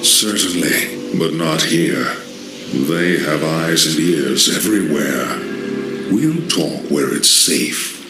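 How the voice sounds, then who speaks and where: A cold, scheming undead lich speaks low and slowly with measured calm. His voice rings with an echoing reverb over orchestral music. Every line sounds calculated. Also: exaggerated voice. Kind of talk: game cinematic voice acting. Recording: echoey, reverberant voice.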